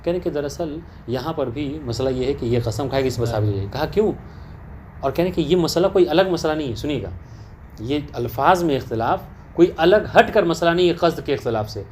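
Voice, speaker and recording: Here a man with a fairly high, darkish, expressive voice teaches religious law to a room of students. He explains a text, pausing often to pose rhetorical questions that make sure they follow, with slight background noise behind him.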